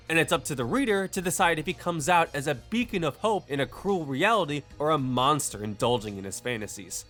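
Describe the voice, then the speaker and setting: A man's voice: fairly high pitch, fairly bright tone. A man delivering a scripted video essay commentary in a wry, dramatic way. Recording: music bed under the voice. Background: background music.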